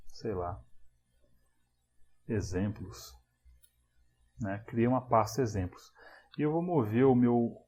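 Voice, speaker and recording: A man's voice: on the low side, darkish tone. A man, explaining programming step by step in a casual screencast lesson, often checking in with the listener. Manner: casual, explanatory, frequent tag questions. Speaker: programming instructor.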